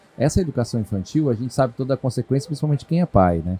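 The sound is dry and close, without any echo. A man talks in a dark, mellow tone. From interior of São Paulo state. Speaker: education franchise executive. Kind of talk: casual chat. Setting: trade fair.

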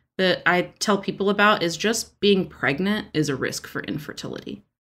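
This woman has a normal speaking voice, pitched fairly low, with lively intonation and an American accent. The recording is very clean, with a silent background. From Texas, outside Houston. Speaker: abortion provider doctor. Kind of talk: casual interview.

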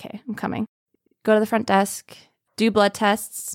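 On a very clean recording with a silent background, a woman with an American accent speaks in a plain, everyday voice at a fairly high pitch and a fairly quick pace, the sound dry and close with no echo. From Minnesota. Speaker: photographer. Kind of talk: casual interview.

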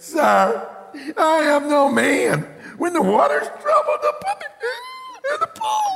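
Using a put-on character voice, a man sounds whiny, his tone whiny throughout. He goes at a fairly slow pace with long, frequent pauses. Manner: whiny, self-pitying.

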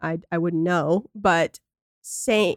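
The recording is very clean, with a silent background. A woman's voice sounds dry and close, with no echo. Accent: Southern US. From Tennessee, Nashville. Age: 20s. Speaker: fitness challenge participant, mother. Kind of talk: casual chat.

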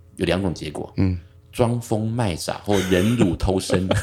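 Music plays in the background as a man talks at a fairly slow pace. His intonation is lively. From Taiwan. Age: 40s. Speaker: business executive. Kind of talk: casual chat.

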